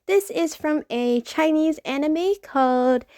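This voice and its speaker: A woman's voice: high voice, takes it slowly, darkish tone, no echo, clean studio sound. A young woman chatting casually while she draws, rambling with many fillers and restarts. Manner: rambling, filler-heavy, self-correcting. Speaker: art vlogger. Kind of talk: casual chat while drawing.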